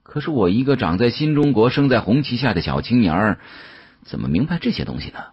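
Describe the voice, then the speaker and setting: A man with a husky voice narrating an audiobook in an animated storytelling style. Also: medium pitch, a little fast, dry recording, dull audio.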